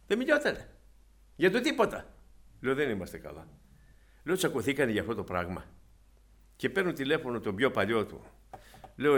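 A man delivers a sermon, moving between loud exhortation and soft, low asides as he retells anecdotes to his congregation.

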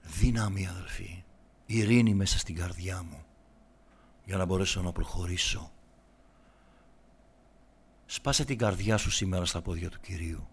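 A man preaching a sermon, moving from soft, hushed prayer to loud, impassioned exhortation. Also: low-pitched, gravelly, long pauses, breathy edge.

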